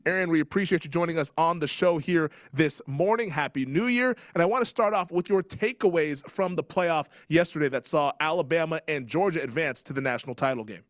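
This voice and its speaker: A man's voice: on the high side, brisk, hardly any pauses, no room sound, studio quality. A man working as a sports show host, speaking in a broadcast presenting style. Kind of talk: broadcast hosting and ad read.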